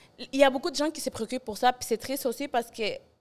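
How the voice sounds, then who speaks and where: A woman with a Mexican accent talks at a very fast pace. Her pitch varies in an ordinary way, and the sound is dry and close with no echo. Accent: Mexican Spanish accent in French, noticeable. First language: Spanish (speaking French). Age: 20s. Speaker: restaurant owner, entrepreneur. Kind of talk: casual chat.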